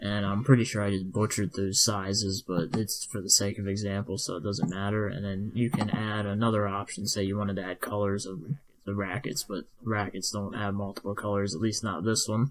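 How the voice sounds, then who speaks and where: With noticeable background noise behind him, a man speaks with a fairly low pitch, fairly even intonation, and hardly any pauses. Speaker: online tutorial creator. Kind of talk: tutorial. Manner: slow, deliberate pace.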